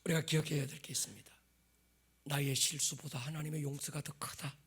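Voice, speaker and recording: A middle-aged male pastor preaching a sermon in a church, dropping to hushed whispers and rising to shouts. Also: a little high, level tone, a little fast, slightly rough. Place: church sanctuary.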